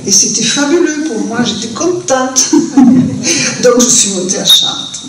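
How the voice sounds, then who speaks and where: A woman's voice: fairly high pitch, animated, slow, crowd noise. An older woman with a southern French accent, a storyteller speaking earnestly and reflectively at a live conversation event, often restarting her phrases. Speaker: storyteller and translator guest. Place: festival conversation venue indoors. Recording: very echoey room from a distant mic.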